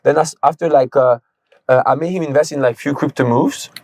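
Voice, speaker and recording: Swiss man telling animated stories. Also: on the high side, dry recording. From Switzerland. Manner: fast, animated storyteller, slangy ("bro"). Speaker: guest. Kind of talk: casual interview storytelling.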